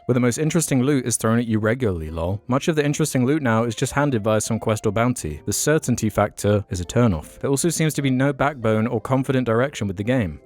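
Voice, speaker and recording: A man's voice: medium pitch, a little mellow. A man hosting a casual commentary video, reading posts aloud with wry sarcastic asides, his voice a little off from a coming illness. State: feeling ill, voice a bit off. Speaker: host reading and reacting to posts.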